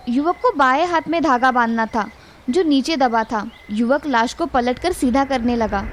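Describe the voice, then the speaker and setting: A woman narrating a village ghost story in an even, dramatic scripted reading. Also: high-pitched, a little hiss or hum.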